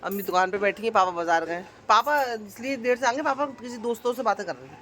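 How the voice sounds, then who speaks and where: A young woman talks to her phone camera in a loose, chatty daily-vlog style. Her voice sits at an ordinary middle pitch. A faint hum of background noise runs under her talk. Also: lively intonation, fast, fairly bright tone. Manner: chatty, keeps addressing viewers as friend. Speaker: vlogger. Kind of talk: casual daily vlog chat. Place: out and about, later at home kitchen.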